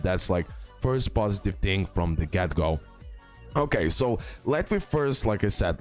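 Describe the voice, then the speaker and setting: A man giving casual, informal gaming commentary as a content creator, often repeating himself for emphasis. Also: on the low side. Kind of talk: casual gaming commentary over a tier list. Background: background music.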